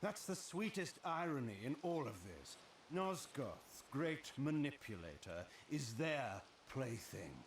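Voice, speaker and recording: An actor playing a scheming ancient vampire lord in a video game, with a grave, deliberate, theatrical delivery. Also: male voice, medium pitch, big pitch swings, echoey room, slight background noise. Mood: sardonic, knowing. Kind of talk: dramatic video game voice acting.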